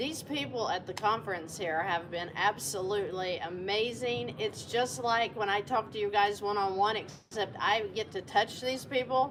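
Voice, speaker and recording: Over noticeable background noise, a woman talks at a moderate pace in an animated tone with lively intonation. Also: medium pitch for a woman, hardly any pauses. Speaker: finance YouTuber teaching velocity banking. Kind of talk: casual interview chat. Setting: live at a conference.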